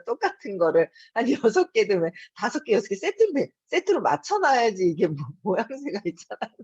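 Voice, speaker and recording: A woman's voice: on the high side, a little mellow, husky, no room sound. A woman in her fifties hosting her own channel, telling a home story in a chatty, casual way and laughing often between her words. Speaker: host. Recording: dull lo-fi recording.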